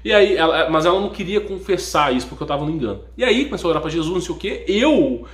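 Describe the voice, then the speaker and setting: A man's voice: fairly high pitch, rapid-fire, roomy sound. A man hosting his own channel, telling an emotional personal testimony, acting out what others said and stressing that he is not joking. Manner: animated storyteller who acts out what others said; keeps stressing "no joke" and checking in with listeners. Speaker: YouTube channel host.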